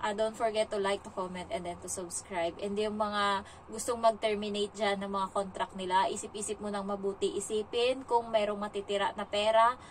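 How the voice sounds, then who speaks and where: A woman's voice: medium pitch, flat delivery, moderate pace, distant mic, a little hiss or hum, rough recording. A young woman from the Philippines, a domestic helper, chatting casually in a vlog and retelling her day with lots of fillers.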